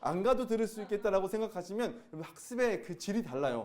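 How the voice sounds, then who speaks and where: A man speaks at a fairly quick pace with an animated tone and a high pitch. Audible room echo surrounds his voice. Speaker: pastor teaching a Bible class. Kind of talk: lecture. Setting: classroom with live audience. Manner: fast.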